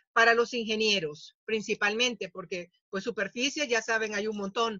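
This is an unremarkable speaking voice with ordinary pitch variation. The pace is moderate. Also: woman. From Mexico. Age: 60s. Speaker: mathematics professor. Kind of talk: lecture. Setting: video call.

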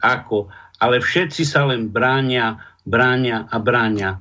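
Speaking at a fairly slow pace, a man has a bright, sharp tone, a medium pitch and ordinary pitch variation. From central Slovakia. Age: 60s. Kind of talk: live radio talk show discussion.

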